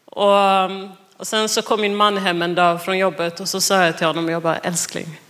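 A woman's voice: mid-range voice, flat delivery, a bit bright. A woman in her thirties preaching as a guest speaker, telling a funny personal story, laughing often and acting out the dialogue. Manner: chatty, self-mocking, laughs often; acts out quoted dialogue. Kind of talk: sermon with personal anecdote.

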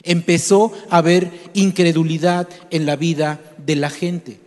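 A preacher with a fairly high voice, telling a fable during his sermon and asking the congregation rhetorical questions. His voice carries a long reverb from a large hall. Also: steady tone, unhurried, darkish tone. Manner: storytelling, addresses listeners directly with rhetorical questions.

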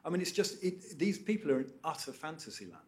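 A man arguing on a debate panel, stressing words with sudden loud bursts. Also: on the high side, sing-song, fast, very noisy. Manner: emphatic, swings sharply in loudness for stress. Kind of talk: debate argument.

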